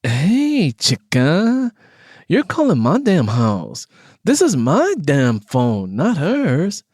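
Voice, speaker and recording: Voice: medium pitch, huge pitch swings, drawn-out words, darkish tone, dry recording, studio quality, pitched above the performer's own voice, exaggerated voice. An audiobook narrator voicing a brash, crude, taunting young Latina woman with slangy, profane talk and mocking laughs. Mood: irritated, snippy. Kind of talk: audiobook character dialogue.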